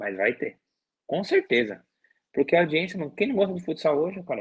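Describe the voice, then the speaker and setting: A man talks at a moderate pace with vocal fry and long, frequent pauses against a quiet background. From Brazil, São Paulo state (Francisco Morato); São Paulo state, Brazil. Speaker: futsal goalkeeper; guest. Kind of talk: casual chat. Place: home room. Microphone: video call.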